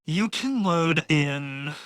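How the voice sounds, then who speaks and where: A woman talking casually through a software demo, her voice converted by a real-time voice changer into a masculine one. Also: low voice, animated, extremely slow, dry recording, clean studio sound. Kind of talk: casual live software walkthrough.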